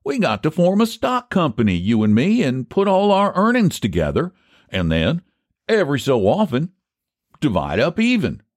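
Storybook role: male reader as a scheming country American pie baker, emphatic and persuasive, raised pitch, very animated, dry sound. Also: normal speed, no room sound. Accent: rural American. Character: scheming, triumphant rural American pie baker, homespun man.

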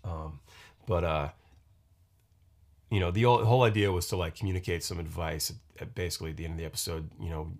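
A man in his forties hosting his own podcast, talking casually in a rambling, halting way, full of restarts and fillers. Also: low voice, fairly even intonation, vocal fry, a little mellow. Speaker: podcast host and musician. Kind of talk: casual solo podcast monologue. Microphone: podcast microphone.

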